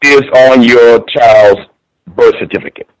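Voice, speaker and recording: A man's voice: medium pitch, a little slow, poor audio. A male radio host pressing his guest with repeated, pointed questions. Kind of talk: call-in radio interview.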